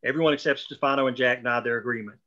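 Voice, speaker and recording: A man with a bright, forward voice at a middling pitch reads stage directions as scripted narration. The recording is dull and lo-fi, like a remote table read. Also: fairly even intonation, rapid-fire. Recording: dull, lo-fi call audio.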